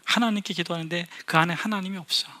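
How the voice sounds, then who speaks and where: A man preaching a Sunday sermon as a pastor, animated, with sudden loud emphasis and quick voiced asides. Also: sits high. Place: church sanctuary.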